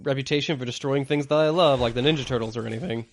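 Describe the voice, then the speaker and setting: A man's voice: medium pitch, very fast, a little hiss or hum. A man co-hosting a geeky podcast, chatting casually, laughing often and slipping into joke voices. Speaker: podcast co-host. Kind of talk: casual chat.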